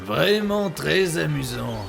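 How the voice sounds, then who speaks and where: Man playing a boastful, gravelly bluffing pirate captain. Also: fairly high pitch, very animated, full character voice. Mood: sarcastic, taunting. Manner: theatrical, hesitant bluffing with drawn-out words. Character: boastful, scheming hapless sea captain, wheedling and bluffing. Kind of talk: French pirate comedy audio drama. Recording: music behind the voice.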